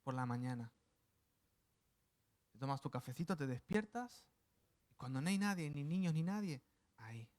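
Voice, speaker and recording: A man's voice: a little high, lively intonation, fairly quick, a little mellow. A man from Spain preaching a sermon, with playful asides and acted quotes. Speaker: pastor.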